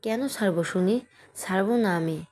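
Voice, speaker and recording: A mischievous young wife, jealous and teasing, quick to boss her husband around, read by a woman in her own voice. Romantic audio storybook, medium pitch. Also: a little mellow, close to an everyday voice. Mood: playful. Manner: playful, teasing, bossy.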